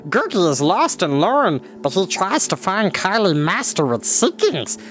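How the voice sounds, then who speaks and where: Storybook beast voiced by a man: a shaggy, timid male creature, fretful, talks in broken rhyming phrases, pitched up. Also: very animated, unhurried, fairly bright tone, heavily acted. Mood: fearful. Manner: odd broken speech, rhyming plurals.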